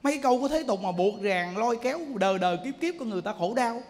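Male Buddhist preacher, high-pitched and animated, long temple-hall reverb. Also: very fast. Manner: animated, folksy, keeps asking the listeners if they understand. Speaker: Buddhist teacher giving a dharma talk. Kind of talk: sermon.

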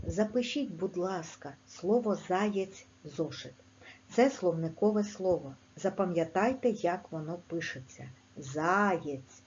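A woman teaching young children a language lesson, speaking clearly in a sing-song teacher manner with a Ukrainian accent. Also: highs cut off, slight background noise. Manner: slow, clear, sing-song teacher talk with lively pitch. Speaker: primary school teacher.

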